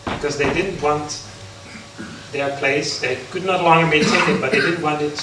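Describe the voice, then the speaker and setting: A man from the Netherlands, a Buddhist monk, giving an unprepared talk at an interfaith forum, halting with many pauses. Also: fairly high pitch, fairly even intonation. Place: large hall. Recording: echoey hall from far off, background noise.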